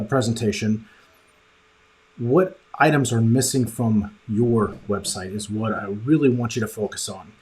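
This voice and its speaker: A man's voice: medium pitch, darkish tone. A man presenting an informal instructional training as a coach, explaining step by step and often checking in with the listener. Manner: explanatory, checks in with "right?" and "okay?".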